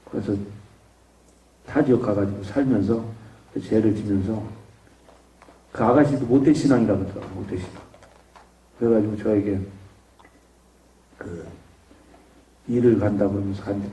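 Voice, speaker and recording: Man telling a lively church testimony, echoey hall. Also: mid-range voice, recorded from a distance. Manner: animated storytelling, acts out shouted quotes. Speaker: evangelist giving testimony. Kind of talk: testimony at a revival meeting. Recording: echoey hall, mic from afar.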